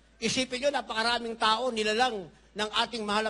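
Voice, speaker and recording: A raised, projected voice with an animated tone rushes along at a very fast pace. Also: man. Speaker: preacher. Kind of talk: sermon. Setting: church. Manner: animated, exhorting the congregation; rhetorical, repeating 'mga minamahal'. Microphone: handheld.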